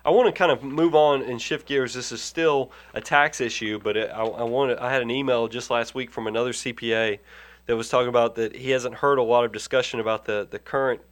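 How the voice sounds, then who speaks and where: A man's voice: medium pitch, steady tone, brisk. A man hosting a financial advice show, talking through tax planning in an earnest, explanatory way with frequent restarts while fighting a head cold. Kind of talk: conversational radio-style advice.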